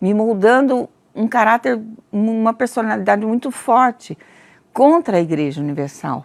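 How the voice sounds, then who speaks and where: A woman speaks at a moderate pace with a fairly high pitch and very wide pitch swings. The sound is dry and close, with no echo. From Brazil, Campinas, São Paulo state. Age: 60s. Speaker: church member giving testimony. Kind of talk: testimony.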